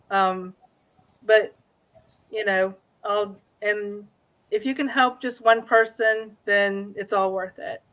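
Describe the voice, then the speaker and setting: A woman is a guest in an interview, sharing a personal account. Her pitch stays very even, and she speaks tentatively, pausing often as she finds her way through each sentence. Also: rough recording. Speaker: guest, new paranormal investigator. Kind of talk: hesitant personal storytelling in an interview.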